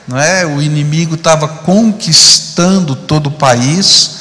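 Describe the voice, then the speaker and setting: A man's voice: a little high, a little slow, pushed and bright. A middle-aged male pastor preaching conversationally on a church stage into a handheld mic, often adding tag questions. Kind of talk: sermon. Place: large church auditorium stage. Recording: long hall reverb.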